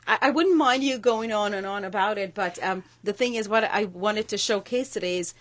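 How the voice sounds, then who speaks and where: A woman's voice: mid-range voice, normal speed. A woman who grew up outside the United States, hosting a radio talk show and asking long, rambling questions in a chatty way. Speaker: radio host.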